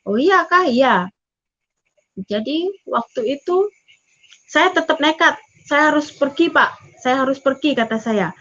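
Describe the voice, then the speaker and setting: High-voiced woman sharing her testimony. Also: animated, unhurried, pauses often, sharp tone, lo-fi sound. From East Java, Indonesia. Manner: emotional storytelling, acting out dialogue. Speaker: testimony speaker. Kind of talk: church testimony.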